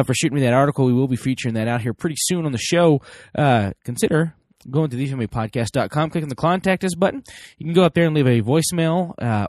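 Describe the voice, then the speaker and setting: Slightly congested from a cold, a man hosts a parenting podcast on his own, talking in a relaxed way with frequent filler words. His voice sits at a medium pitch and is a little mellow, in echo-free studio-quality sound.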